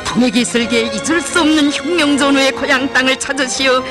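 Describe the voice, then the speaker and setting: A man's voice: extremely high pitch, brisk. A man with a North Korean accent narrating a propaganda documentary in a solemn, reverent, emotive declamatory style. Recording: music behind the narration. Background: music.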